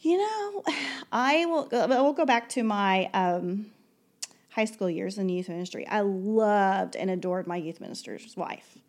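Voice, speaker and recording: A woman in her forties, a podcast guest, talking in a loud, sassy, chatty way and laughing easily. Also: medium pitch, expressive, a little slow. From Oklahoma. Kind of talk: casual chat.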